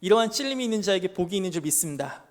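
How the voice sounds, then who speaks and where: A man's voice: high voice, expressive, rapid-fire. A man in his thirties, a junior pastor preaching a sermon to young adults, pressing the room with emphatic rhetorical questions and stories from his family life. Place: church sanctuary. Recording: long church hall reverb.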